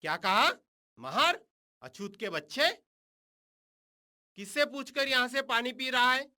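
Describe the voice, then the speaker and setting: A haughty villager who chases a boy from a well in an animated film. The tone is high and sharp-edged, and she speaks with open contempt. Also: normal speed, smooth. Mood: contemptuous. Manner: contemptuous, shouting for others. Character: scornful high-caste villager guarding a well.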